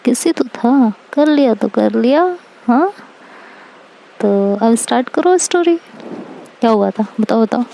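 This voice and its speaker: A woman's voice: a little high, animated, creaky, dark tone, a little hiss or hum, low-quality recording. A woman voicing a playful young woman lover who teases and pushes insistently. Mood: teasing. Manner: teasing, insistent, quick.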